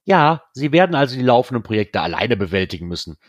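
A man's voice: mid-range voice, sing-song, fast talker, no echo, voice pushed up. A man reading aloud, voicing a condescending manager who stays coolly polite. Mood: curt. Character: smug, unpleasantly polite male boss.

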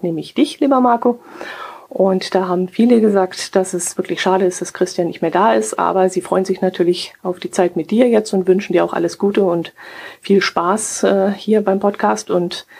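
Slightly hoarse woman podcaster. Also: mid-range voice, a little mellow. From Allgäu, Germany. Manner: chatty, reads listener comments aloud, frequent "äh" fillers. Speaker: podcast host. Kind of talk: casual podcast chat.

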